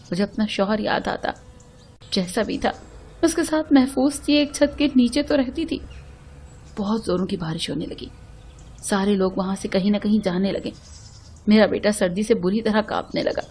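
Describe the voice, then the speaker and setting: Woman, storyteller, emotional first-person narration, earnest, mid-pitched. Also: moderate pace, darkish tone, slight background noise.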